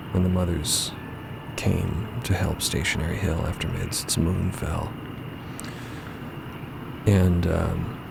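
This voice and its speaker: An actor playing a subdued, vulnerable man in mourning, confiding haltingly in an audio drama. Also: sits low, gravelly, background noise, heavily acted. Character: subdued, vulnerable young man, grieving a mentor.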